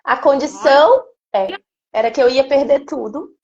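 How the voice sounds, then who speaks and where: A woman, a guest giving an emotional personal testimony in an animated storytelling way. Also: high-pitched, normal speed, muffled recording. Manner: animated storytelling, acting out quoted speech. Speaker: interview guest.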